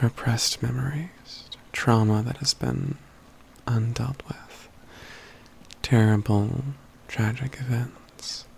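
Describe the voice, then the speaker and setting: A man playing an aloof, proud mage companion in a soft, intimate ASMR roleplay, with formal, measured phrasing and dry teasing. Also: mid-range voice, gravelly, a little hiss or hum. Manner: formal, measured, haughty phrasing with hushed stretches.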